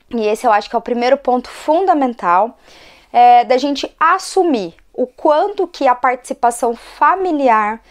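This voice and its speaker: A hoarse woman, fighting a cold, giving a conversational educational talk to her channel as an occupational therapist. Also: a little high. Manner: conversational, frequent tag questions.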